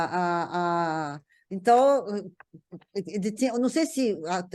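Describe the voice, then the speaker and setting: A woman's voice: on the low side, a little mellow. An older woman with a São Paulo Brazilian accent, reminiscing casually in conversation and often repeating words as she searches for the next. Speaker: guest recalling a parent's career.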